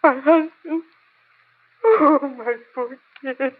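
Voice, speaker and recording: A woman's voice: high voice, slow. A tinny, narrow-band vintage radio recording carries a grief-crazed rancher's widow. She is destitute and worn down, pleading in raw anguish, in the style of 1950s radio drama. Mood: shocked grief.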